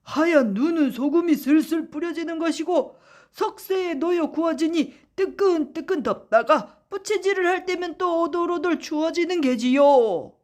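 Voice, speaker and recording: A woman voicing a cheeky, blunt flatfish in a children's folktale, taunting with mock politeness. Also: very high-pitched, moderate pace, voice pushed up. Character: cheeky blunt flatfish mocking a lord's dream. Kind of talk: children's folktale audiobook acting.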